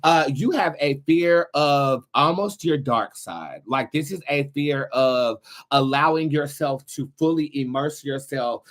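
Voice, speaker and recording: A man's voice: on the high side, unhurried. Emphatic, slangy man reading tarot. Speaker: tarot reader hosting a live stream. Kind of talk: casual live-streamed card readings.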